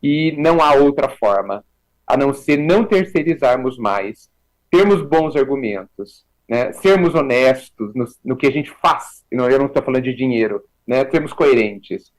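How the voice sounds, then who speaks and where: A Brazilian man talking as a guest on a radio talk show, reflective and measured, often checking in with a tag question. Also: medium pitch, animated, low-quality recording. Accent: Brazilian Portuguese. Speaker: guest commentator.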